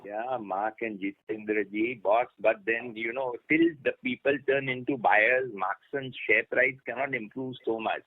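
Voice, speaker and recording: A man's voice: mid-range voice, moderate pace, hardly any pauses. An Indian-accented man, a shareholder on an earnings call, informally and insistently pressing his point over the phone. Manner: insistent, repetitive. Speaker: shareholder asking questions. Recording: narrow tinny phone line.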